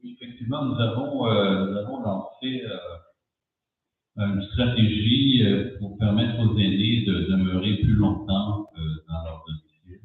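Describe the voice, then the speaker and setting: A low-pitched man gives a halting candidate's answer at a debate, often repeating words. He is heard from far off in a very reverberant room. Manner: halting, frequent pauses and repeats. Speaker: election candidate. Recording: echoey room, far tinny mic.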